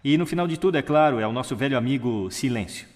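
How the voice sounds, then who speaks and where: A man giving a stage talk on voice technique, demonstrating shifts in pitch, pace and volume. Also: animated, quick pace, a little mellow, big-room sound. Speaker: speaker on public speaking. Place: large hall on a stage.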